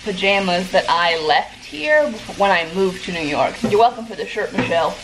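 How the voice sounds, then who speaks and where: A woman's voice: mid-range voice, expressive, normal speed, rough recording. A young woman hosting a casual home vlog, chatty and self-deprecating with a dry, sarcastic streak. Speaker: vlogger host. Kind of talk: casual vlog chat to camera. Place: family home indoors. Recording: noticeable background noise.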